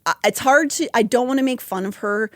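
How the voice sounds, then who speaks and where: A woman hosts a casual conversational podcast, speaking in a voice on the high side at a brisk pace. The studio sound is clean with no room sound, and she talks wryly and chattily, with asides and laughter.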